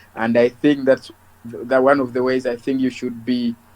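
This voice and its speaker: His intonation stays monotone and flat. The man's pitch sits in the medium range. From DR Congo. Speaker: podcast host. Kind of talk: interview wrap-up on group call. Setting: online group call. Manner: halting, repeats words.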